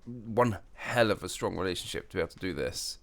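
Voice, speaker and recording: A man's voice: deep voice, lively intonation, a little fast, creaky. A man asking questions as a podcast host, with a dry, teasing manner in casual chat.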